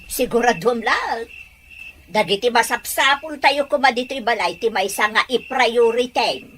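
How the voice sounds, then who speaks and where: A woman's voice: a little high, moderate pace, a bit bright, slight background noise, natural voice. A woman playing a doting, fretful older mother figure in a Filipino audio drama, exclaiming and drawing out words in a Filipino accent. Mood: worried, scolding. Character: old grandmother or mother, warm, doting, fretful. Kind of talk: Ilocano audio drama acting.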